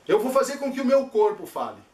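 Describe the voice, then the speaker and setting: A man's voice: very high-pitched, sing-song, brisk, a little mellow, a little hiss or hum. A man, a public speaking coach giving a lesson emphatically. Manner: emphatic, demonstrative, shifts tone freely. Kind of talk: teaching lesson. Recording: echoey room.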